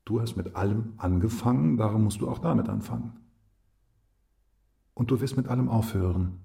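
Calm stern guy in a literary radio play, lowish voice, probing, measured, kind of admonishing. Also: vocal fry. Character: calm, stern male companion, rational and probing. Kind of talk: literary radio drama acting.

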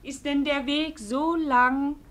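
An actress playing a weary, melancholy young princess in a radio play, speaking in measured poetic phrases. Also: female voice, high-pitched, steady tone, a bit bright. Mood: weary, wistful. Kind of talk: theatrical German radio play acting.

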